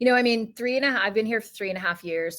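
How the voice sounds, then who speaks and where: The speaker has a slight Canadian accent. Pitch variation is ordinary. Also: woman. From Canada (Calgary, Alberta). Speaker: marketing executive. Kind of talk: podcast interview. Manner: conversational.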